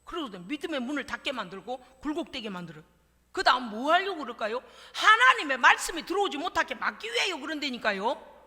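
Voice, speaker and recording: A woman's voice: high-pitched, very animated, fast, sharp tone. A middle-aged woman pastor preaching a sermon, emphatic, with call-and-response to the congregation, in a church sanctuary. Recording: long reverb of a church hall.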